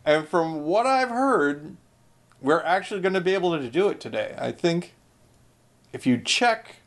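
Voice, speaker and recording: A man's voice: on the high side, big pitch swings, measured pace. A man co-hosting a podcast, chatting casually with dry sarcasm and rambling asides. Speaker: podcast co-host. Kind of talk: casual chat.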